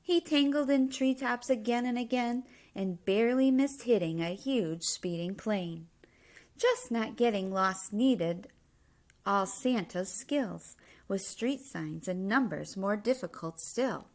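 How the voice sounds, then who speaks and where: A woman reading a children's picture book aloud, with measured, expressive storytelling in rhyme. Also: medium pitch. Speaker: story reader.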